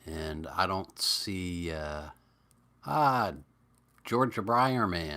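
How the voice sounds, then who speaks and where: Very slow and full of long, frequent pauses, a man with a New England accent speaks at a very deep, low pitch in a bright, sharp tone with lively intonation. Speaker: pipe smoking livestream host. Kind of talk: casual livestream chat. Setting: live stream.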